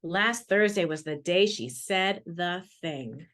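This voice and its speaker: A woman's voice: fairly low pitch, lively intonation, slow, fairly bright tone. A woman, a children's author, introducing and reading her picture book to classrooms over a video call.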